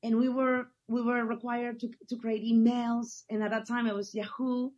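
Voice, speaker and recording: Enthusiastic woman from Ecuador, fairly high voice. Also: little pitch movement, normal speed, darkish tone, dull audio. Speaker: guest. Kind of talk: casual conversational interview.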